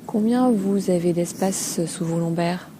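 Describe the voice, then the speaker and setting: By a calm sea, a woman whose voice sits on the low side improvises a guided body scan as a Feldenkrais teacher. She speaks gently and slowly, hesitating between short phrases, while the steady sound of the sea and some seagulls runs underneath.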